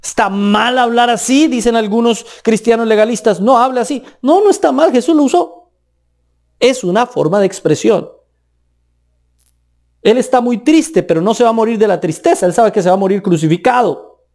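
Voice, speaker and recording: A man with a Colombian accent preaching a sermon, emphatic, with pitch that rises and drops sharply for stress. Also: expressive, moderate pace, gravelly, darkish tone.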